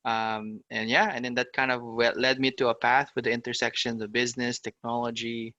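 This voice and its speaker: A man's voice: mid-range voice, level tone, brisk, pushed and bright, no room sound, muffled recording. A man, a podcast guest telling his career story in an upbeat way, with lots of "uh" and "you know". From Philippines. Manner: upbeat, talks in long runs full of "uh" and "you know". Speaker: guest, fintech startup founder. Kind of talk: casual podcast interview.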